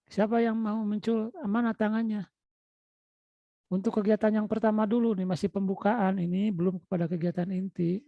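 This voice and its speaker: A man with a high, creaky voice and a Sundanese-influenced Indonesian accent lectures an online class, repeatedly calling out to his students and coaxing them. There's no echo, and the video call audio sounds dull and lo-fi.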